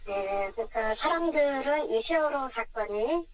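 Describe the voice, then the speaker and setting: An electronically disguised, feminine-sounding voice of a radio interview guest speaking earnestly and formally in a measured way. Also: animated. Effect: electronic voice disguise, shifted high. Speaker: documentary maker, interview guest. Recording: muffled, distant phone-interview sound.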